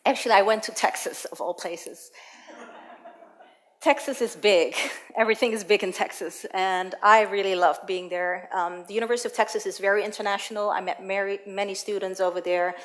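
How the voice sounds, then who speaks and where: A woman's voice: mid-range voice, fairly quick. A woman from the Netherlands giving a prepared talk on stage, telling personal stories about her life. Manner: personal, storytelling, lively anecdotes. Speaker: speaker. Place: auditorium stage.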